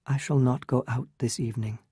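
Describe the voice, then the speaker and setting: A woman's voice: deep voice, expressive, unhurried, mellow, breathy edge, no room sound, studio quality, voice pushed up, exaggerated voice. A reader voicing an anguished, restrained young woman in a dramatized story reading, with emotional, pleading delivery. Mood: sorrowful.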